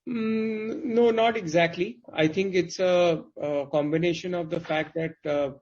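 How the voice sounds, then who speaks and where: A man speaking as a company executive on an earnings call, explaining things in a halting, qualified way over conference audio. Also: sits high, fairly even intonation, darkish tone. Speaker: company executive answering investors' questions. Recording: dull, band-limited conference call audio.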